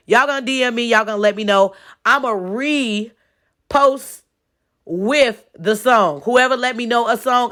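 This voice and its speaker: A woman's voice: medium pitch, a bit bright. A woman hosting her own podcast, talking casually to listeners with a stuffy nose. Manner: chatty, folksy, addresses listeners as y'all, frequent "okay?". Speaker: podcast host. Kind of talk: casual solo podcast talk.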